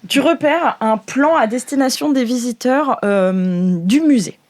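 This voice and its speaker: A woman's voice: high-pitched, unhurried, darkish tone. A woman narrates an improvised tabletop game, hesitant and playful, with slangy turns of phrase. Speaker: game master.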